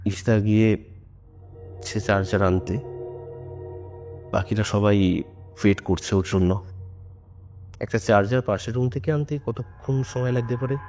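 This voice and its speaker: A man's voice: fairly low pitch, fairly even intonation, unhurried, long pauses, darkish tone. A man telling a story in an informal, conversational and suspenseful way, as on a ghost story podcast. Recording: music under the voice. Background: background music.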